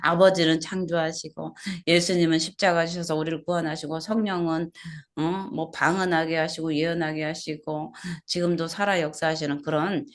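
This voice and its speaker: A woman pastor with a low-pitched voice preaches an expository sermon at a small church service, speaking at a moderate pace with fairly even intonation. She poses questions to the congregation and repeats key words.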